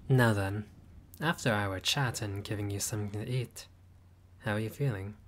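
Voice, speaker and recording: A man's voice: normal speed, a bit bright, a little hiss or hum, lightly acted. A man voicing a friendly, laid-back male vampire host with dry teasing humor in a roleplay audio. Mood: wry. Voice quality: low voice, dry teasing humor, grandly theatrical at times.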